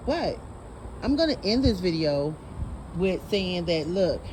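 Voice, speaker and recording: There is noticeable background noise and audible room echo as a woman speaks at a moderate pace. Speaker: home gardening vlogger. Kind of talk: casual video vlog.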